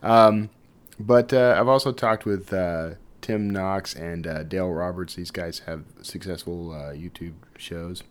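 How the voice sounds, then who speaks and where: A man with a low voice hosts a podcast. He talks casually and informally, wandering through his introduction with hesitations and side remarks. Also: steady tone, unhurried, slight background noise. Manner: chatty, informal, hesitant and digressive. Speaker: podcast host.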